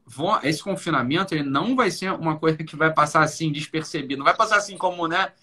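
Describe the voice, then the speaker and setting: A man's voice: on the high side, fast, bright, forceful tone, breathy edge. A man hosting a live stream, talking in an emphatic, casual way. He repeats himself insistently and speaks bluntly, sometimes swearing.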